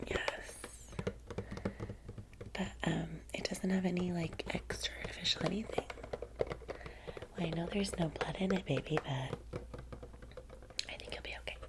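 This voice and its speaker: Whispering Valley girl woman, low-pitched. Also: measured pace, pauses often. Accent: Valley girl American. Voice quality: soft, breathy whisper. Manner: casual, chatty Valley girl phrasing with many "like"s. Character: vampire's chatty, soothing young female personal assistant. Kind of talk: ASMR roleplay, soft-spoken personal attention.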